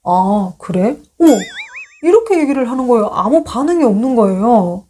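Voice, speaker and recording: A woman in her thirties, originally from North Korea, telling a personal story in a casual monologue and acting out the dialogue as she goes. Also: a little high. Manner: animated, acts out quoted dialogue. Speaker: YouTube host sharing her story.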